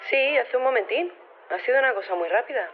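A woman's voice: fairly high pitch, animated, fast. A woman playing an unflappable robotics professor in an audio drama, heard through a telephone, rambling in a colloquial, understated way. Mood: matter-of-fact, unflappable. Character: female robotics professor, casual, matter-of-fact, unflappable. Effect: telephone filter. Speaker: phone interviewee. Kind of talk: acted phone interview in audio fiction. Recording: tinny phone line with clear background noise.

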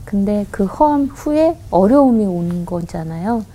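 A woman guest on a radio interview, earnestly recounting a personal story with halting restarts and quoted voices. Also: mid-range voice, animated, warm tone, low-quality recording. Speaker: guest, company head.

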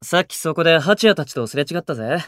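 An actor playing a brash, cocky young male idol in a Japanese voice drama, with blunt, swaggering, rough speech. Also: fairly high pitch, lively intonation, fast, a bit bright, no room sound, clean studio sound. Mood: easygoing, surprised. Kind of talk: Japanese anime-style voice drama acting.

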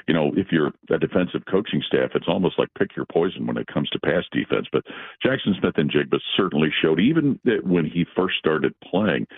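A man with a deep, resonant broadcaster's voice, giving measured sports analysis as a phone guest. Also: breathy edge, no room sound. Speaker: play-by-play announcer guest. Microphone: phone line. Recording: tinny phone line.

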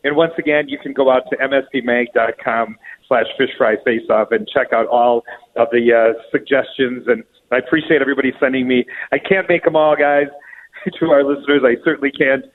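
A man's voice: mid-range voice, fairly even intonation, brisk. A man calling in to a radio show from a public restroom, chatty and joking, his voice echoing off the tiled walls. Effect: echo of a tiled public restroom. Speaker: weekly events contributor calling in. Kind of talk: casual radio call-in chat. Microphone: phone. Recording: tinny phone line with restroom echo.

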